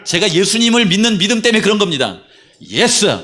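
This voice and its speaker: A man's voice: high voice, quick pace. A middle-aged male pastor giving a conversational sermon in a church, asking the congregation questions as he talks. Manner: conversational, animated preaching with rhetorical questions to the congregation. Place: church sanctuary.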